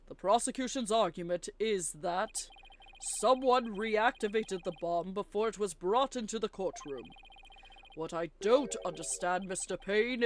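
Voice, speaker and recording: A woman playing a puzzled male judge in a courtroom game, speaking in a measured, formal way. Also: medium pitch, slight background noise, close to an everyday voice.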